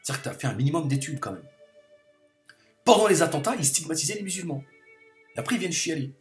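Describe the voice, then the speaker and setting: A man's voice: fairly high pitch, lively intonation, quick pace, faint music behind. A man delivering an impassioned political monologue to camera, hammering his points by repeating phrases over and over. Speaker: video commentator.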